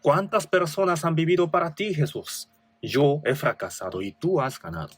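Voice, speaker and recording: A man's voice: fairly high pitch, normal speed. A male pastor with a Korean accent preaching a sermon, reading scripture with rising emphasis and asking rhetorical questions.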